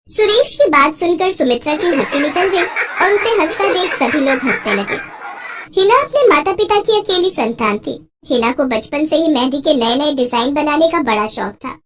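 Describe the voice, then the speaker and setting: A woman narrating a storybook tale in an even, storytelling manner. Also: high voice, normal speed.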